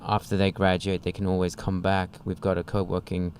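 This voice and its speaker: Deep, flat-voiced man explaining. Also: brisk, a little hiss or hum. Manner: explains in long, flowing run-on sentences. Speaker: co-founder of a music school. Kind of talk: casual podcast chat.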